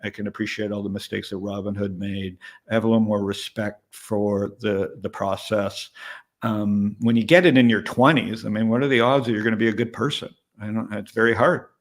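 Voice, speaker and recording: With a fairly low pitch and a steady, brisk delivery, this late-fifties investor talks as a guest in an informal interview. He's candid and rambling, habitually checking in with "right?"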